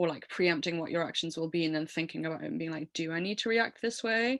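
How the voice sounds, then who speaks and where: A woman with a fairly low pitch, ordinary pitch variation and a fairly quick pace, on a very clean recording with a silent background. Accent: Geordie. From northern England, Newcastle. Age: 30s. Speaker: musician. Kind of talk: casual chat.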